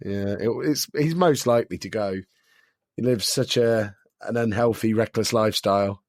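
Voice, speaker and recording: A man hosting a casual podcast, his voice a little croaky, talking with dry self-deprecating humour. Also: on the low side, moderate pace, a little mellow, no room sound. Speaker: podcast host.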